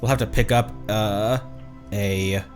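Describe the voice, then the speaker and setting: A man's voice: fairly low pitch, steady tone, takes it slowly. A man giving casual live game commentary as a streamer, with murmured asides that trail off mid-thought. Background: game music.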